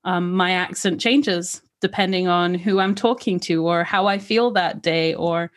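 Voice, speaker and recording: A woman who grew up in Africa, with an accent that mixes American, British and Scottish traces, telling her life story lively in an interview and laughing often. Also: lowish voice, a little slow. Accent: mixed, with American, British and Scottish traces. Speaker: podcast guest. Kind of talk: conversational interview.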